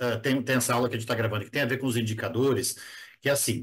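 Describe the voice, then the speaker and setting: Fairly even intonation from a man with a medium-pitched voice. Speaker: education business consultant. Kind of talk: online Q&A session. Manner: fast; halting, stumbles over words.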